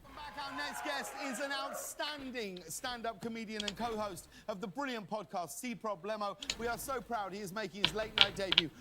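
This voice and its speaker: A man's voice: high voice, fairly quick, few pauses. A man hosting a late-night TV show, giving an upbeat showbiz introduction of a guest. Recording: TV clip with loud background noise.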